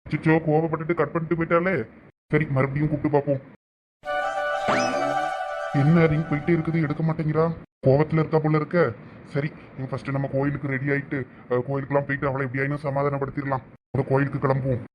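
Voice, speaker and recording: A man's voice: on the high side, flat delivery, fast, pauses often, dull audio, soft background music, lightly acted. A man in a village comedy skit, playing an impatient young son who bickers with his mother and friend. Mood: worried. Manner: exasperated, bickering.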